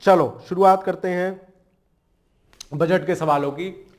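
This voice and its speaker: A man's voice: sits high, steady tone, slow, slight background noise. A man teaching an exam-prep lesson in a casual, joking way, with memory tricks and frequent check-ins, speaking. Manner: chatty, jokey memory tricks, frequent "ठीक है".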